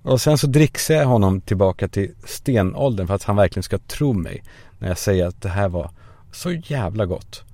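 A young man talks alone from inside a parked car, spinning a self-mocking, foul-mouthed comic monologue. His voice is gravelly and mellow, and the car keeps the sound close and dry. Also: fairly low pitch, expressive, dry recording. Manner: self-mocking, swearing, acts out voices in quotes. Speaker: podcast host.

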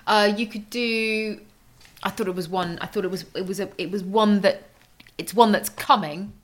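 A woman co-hosting a podcast, chatting casually with a teasing, wry sense of humour. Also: mid-range voice. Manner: teasing, wry, quick with jokes. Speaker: podcast co-host. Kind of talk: casual chat.

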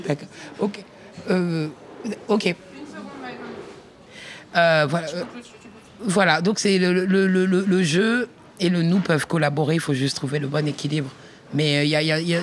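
A woman researcher with a lowish voice speaks at a moderate pace, pausing often, in a reflective workshop talk. Hesitant and searching, she thinks aloud with frequent restarts and addresses listeners in a familiar, informal way.

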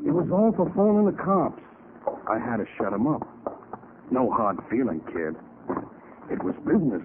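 Cocky crook with a gun, 1940s radio crime drama. Slangy, animated menace, tinny vintage sound. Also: male voice, mid-range voice, normal speed. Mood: smug, cold. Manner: tough slangy gangster talk. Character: cocky male gangster killer and swindler holding a gun. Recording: scratchy, thin 1940s radio recording.

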